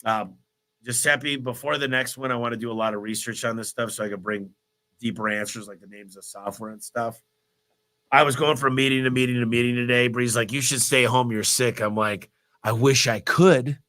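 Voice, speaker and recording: A man hosting a live business Q&A, talking in an energetic, motivational, rambling way while congested with a cold. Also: medium pitch, moderate pace. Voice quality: stuffy, nasal. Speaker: host of a business Q&A livestream. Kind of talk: live Q&A answering viewer questions.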